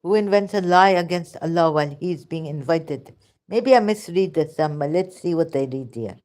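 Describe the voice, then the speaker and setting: A woman's voice: deep voice, moderate pace, a little mellow. A woman with a Pakistani accent giving rambling, sarcastic religious commentary in broken English. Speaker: vlogger.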